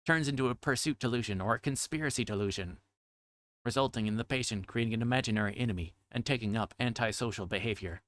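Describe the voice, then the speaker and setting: A man with a fairly low voice reads game text aloud on a livestream. The sound is dry, with little room in it. He tends to trip over harder words as he goes. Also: fairly bright tone, dry recording. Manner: stumbles over difficult words. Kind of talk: reading visual novel text aloud on a livestream.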